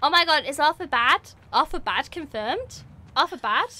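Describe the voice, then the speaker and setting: A woman streaming a video game, excitable, often yelping and laughing as she comments on her play. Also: high voice, moderate pace. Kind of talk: live gaming commentary.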